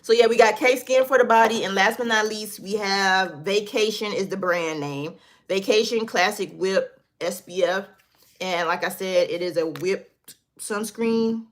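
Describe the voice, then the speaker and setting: A woman's voice: medium pitch, a little slow. A young woman, chatting casually and rambling through a skincare product review, laughing at herself. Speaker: beauty vlogger.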